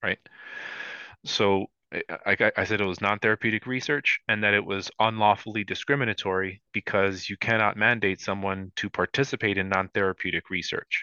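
This man has an ordinary speaking voice, fairly low in pitch, with fairly even intonation and a moderate pace. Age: 40s. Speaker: guest researcher. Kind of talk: interview.

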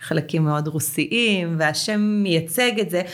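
With a Russian accent, a woman speaks at a moderate pace with ordinary pitch variation. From Russia, Saint Petersburg until age 11, then Israel. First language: Russian (speaking Hebrew). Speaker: therapist. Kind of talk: casual interview chat. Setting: small improvised home studio.

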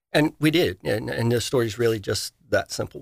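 In a very clean recording with a silent background, a man with an American accent speaks at a medium pitch. He keeps a moderate pace, and his voice has vocal fry. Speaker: charity foundation founder. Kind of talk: interview. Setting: studio.

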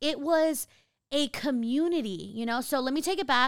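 Delivered at a moderate pace with an animated tone and ordinary pitch variation, this American accent comes through on a very clean recording with a silent background. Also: woman. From California, Bay Area (Daly City). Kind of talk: solo podcast monologue.

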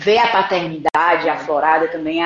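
A woman speaks over noticeable background noise. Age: 40s. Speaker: journalist and podcast host. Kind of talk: casual chat.

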